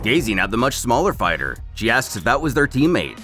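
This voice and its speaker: A man reads a scripted story recap like a storyteller. His pitch is medium and moves around in a lively way. Faint music plays underneath. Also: a little fast. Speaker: YouTube narrator and host.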